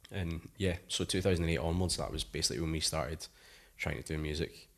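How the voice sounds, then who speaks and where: A man's voice: extremely low pitch, fairly even intonation, a little fast, fairly bright tone. A Scottish man in his thirties, a musician guest talking casually in an interview, rambling with lots of "like" fillers. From Scotland.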